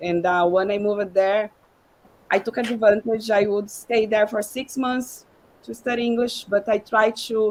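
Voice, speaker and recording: A woman speaks in a Portuguese accent at a fairly high pitch. Her pace is moderate and her intonation monotone and flat. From Brazil. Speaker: panelist, tech worker. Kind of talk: panel discussion. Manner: halting, many fillers and restarts.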